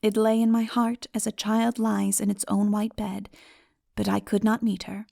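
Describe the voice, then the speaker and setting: A woman reading a literary story as a dramatic audiobook narrator, solemn, measured and expressive. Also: mid-range voice, vocal fry, no echo, clean studio sound.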